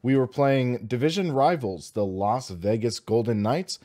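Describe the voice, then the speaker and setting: Hosting a sim racing livestream, this young American guy keeps things relaxed and upbeat, talking to viewers with enthusiasm like they're his friends. He has a slightly hoarse, warm voice of average pitch and keeps a measured pace.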